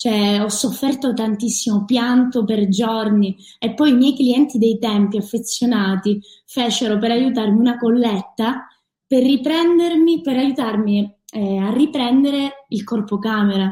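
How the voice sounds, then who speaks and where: This woman has a dark, mellow tone and a fairly high pitch with ordinary pitch variation. She speaks at a very slow pace. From Sicily. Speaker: photographer. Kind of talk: interview. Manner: assertive.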